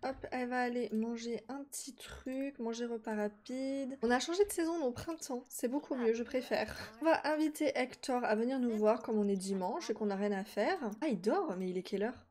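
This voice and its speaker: A woman, chatting casually as she plays a life-sim game, talking to her characters and her viewers and quick to exclaim at what she sees. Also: fairly high pitch, darkish tone. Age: 20s. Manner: quick exclamations of delight and confusion. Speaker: gaming YouTuber. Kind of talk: casual Let's Play commentary.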